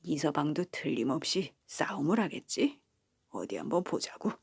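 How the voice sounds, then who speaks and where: Gruff quarrelsome farmer man, as a woman puts him on. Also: on the low side, slow, no echo, clean studio sound, exaggerated voice. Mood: grumbling. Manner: gruff, blustering. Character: grumpy quarrelsome middle-aged farmer man.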